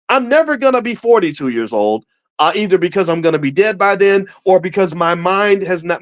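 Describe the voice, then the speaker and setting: Animated preachy man, lo-fi sound. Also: on the high side. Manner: preachy, emphatic, addresses listeners with questions. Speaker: commentator. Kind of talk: impassioned commentary.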